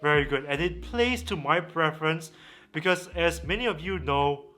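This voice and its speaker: A man presenting a product review as a vlog host, with deliberate phrasing and pauses for emphasis. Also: a little high, pushed and bright, faint music behind.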